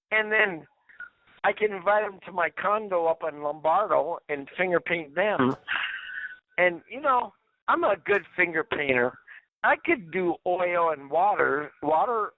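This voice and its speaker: A man leaving a rambling voicemail over the telephone, talking in a halting, repetitive, drawn-out way. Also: high-pitched, animated, no echo. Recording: tinny phone-line voicemail.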